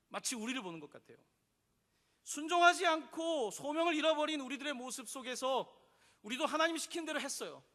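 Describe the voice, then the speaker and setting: A man's voice: very high voice, bright, forceful tone. A man preaching a sermon as pastor, telling the story vividly and leading the congregation in reading. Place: church sanctuary. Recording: long reverb in a church hall.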